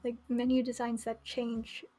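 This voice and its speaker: A woman's voice: a little high, monotone, a little slow, warm tone, faint music behind. A woman giving casual commentary as she plays a game on a live stream.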